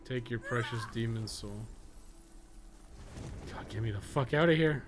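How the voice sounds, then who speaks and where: A man's voice: medium pitch, measured pace. A man giving casual, rambling live game commentary with plenty of swearing, as a streamer. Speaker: streamer and podcast co-host. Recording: clearly noisy, game audio behind. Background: video game sound and dialogue.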